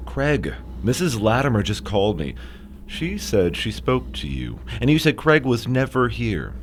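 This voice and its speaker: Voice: mid-range voice, expressive, unhurried, creaky, slight background noise. An actor playing a hot-headed teenage male football captain in a radio play, blunt and accusatory. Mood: accusing, agitated.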